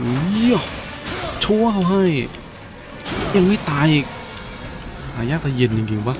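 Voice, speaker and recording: A man's voice: on the high side, big pitch swings, unhurried. A man giving casual gameplay commentary, playful and crude, with slangy talk and frequent exclamations. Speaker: gaming host. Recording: game music behind the voice. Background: game music.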